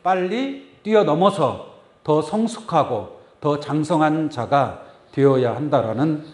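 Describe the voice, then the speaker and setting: Male pastor, sermon delivery, questions to the flock, lively pitch, roomy church sound. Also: a little slow. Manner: asks the congregation many questions. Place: church sanctuary. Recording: echoey church room. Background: congregation saying amen.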